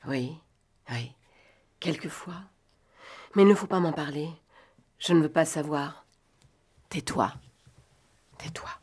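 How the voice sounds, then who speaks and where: A woman's voice: low-pitched, normal speed, a little mellow. A woman reading aloud as a weary, guilt-ridden young adventuress who murmurs her confessions. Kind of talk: audiobook reading.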